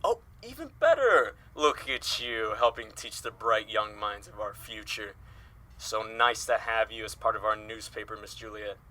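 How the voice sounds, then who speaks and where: A man's voice: lowish voice, lively intonation, moderate pace, pushed and bright. A man playing a jovial, folksy newspaper colleague in an audio drama, cheery and courtly in manner. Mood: delighted.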